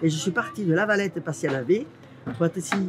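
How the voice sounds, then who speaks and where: A woman's intonation moves in a lively way while music plays behind her. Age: 80s+. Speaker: elderly local resident. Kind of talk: vox pop interview.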